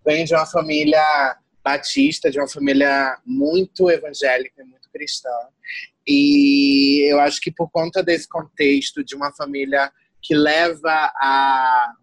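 A young adult woman from Salvador, Bahia, a tired guest artist talking in an animated, slangy way full of restarts. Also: low voice, dry recording, low-quality recording. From Salvador, Bahia, Brazil. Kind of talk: casual conversation.

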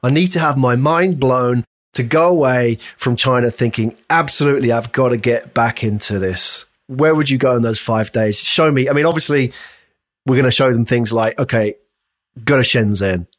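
A man's voice: mid-range voice, moderate pace. A man hosting a casual interview, chatty and rambling as he puts questions to his guest. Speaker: podcast host interviewing a guest.

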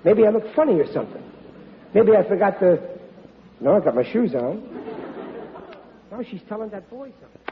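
An actor playing a bumbling, flustered middle-aged husband in a 1940s radio comedy, stammering in folksy talk. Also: male voice, sits high, sing-song, a little fast, gravelly, long pauses, some chatter behind, heavily acted. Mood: amused. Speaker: lead in radio sitcom. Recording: echoey, lo-fi old radio broadcast. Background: studio audience and noise.

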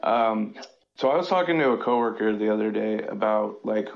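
Gravelly-voiced male caller on a muffled line. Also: lowish voice, normal speed. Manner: hesitant, filler-heavy. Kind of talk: casual phone call.

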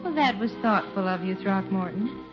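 An actress playing a coy, gentle young woman in a 1950s radio sitcom, dull old broadcast sound. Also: medium pitch, expressive, normal speed, over music, lightly acted. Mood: hesitant. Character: demure young woman girlfriend.

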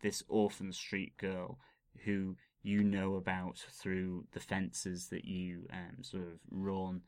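A man's voice: deep voice, completely flat delivery, takes it slowly, a little mellow, clean tone, no echo, studio quality. A man from England co-hosting a podcast, explaining things at length and laughing at himself. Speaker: podcast co-host. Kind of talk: casual podcast chat.

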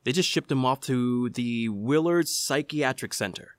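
A young man in a scripted audio drama, speaking with dry, wary deadpan. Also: mid-range voice, unhurried, no echo, lightly acted.

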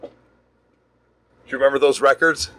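A man's voice: mid-range voice, fairly even intonation, moderate pace, noisy background. A man from Canada hosting a casual podcast interview, asking short curious questions. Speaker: podcast host.

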